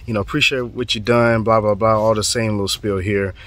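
A man from the southern United States with a hoarse, fading voice, telling an animated, profane story in a casual vlog. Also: fairly low pitch, fairly quick. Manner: animated, profane, acts out quotes. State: hoarse, voice going. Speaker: real estate vlogger.

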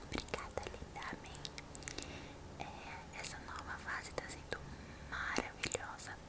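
A young woman with a São Paulo Brazilian accent speaks in an intimate ASMR whisper, casually answering viewers' questions close to the microphone in a small room. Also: a little slow. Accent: Brazilian, São Paulo state. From São Paulo state, Brazil. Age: young adult. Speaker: ASMR video creator and host. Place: small bedroom indoors. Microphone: large microphone right at the mouth.

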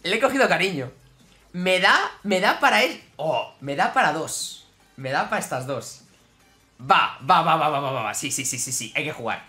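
A man with a Spain Spanish accent giving excitable gameplay commentary to his viewers, swinging from grumbling to yelling. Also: on the high side, normal speed, soft background music. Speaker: gaming YouTuber.

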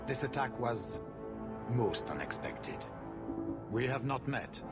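An actor playing a grave, courteous knight of a warrior order in a fantasy game, speaking in a formal, measured way. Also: male voice, mid-range voice, animated, music in the background. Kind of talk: scripted fantasy game dialogue.

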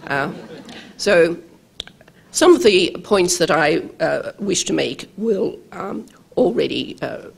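An older Australian woman, a law professor with a croaky voice from travel, giving a halting conference lecture at a lectern microphone in a large hall. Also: lowish voice, animated. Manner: halting, many ums and uhs, measured.

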